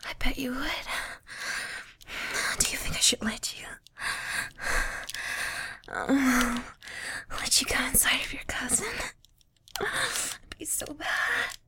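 A young woman performing an intimate roleplay, talking in a teasing, breathy manner and often dropping to a whisper close to the microphone. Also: high voice, sing-song, takes it slowly, pauses often.

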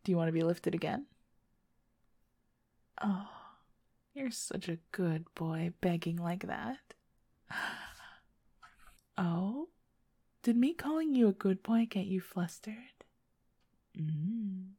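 Woman, young, intimate roleplay voice: slow, dark, coaxing whisper, very close and dry. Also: mid-range voice, lively intonation, slightly rough, dry recording. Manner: soft, coaxing, often whispering.

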